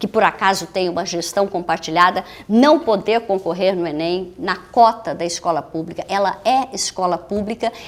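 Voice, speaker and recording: Her pitch sits in the medium range for a woman. The rise and fall of her voice is ordinary. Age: 60s. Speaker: state education secretary and teacher. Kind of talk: interview. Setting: office building. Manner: formal, with filler hesitations.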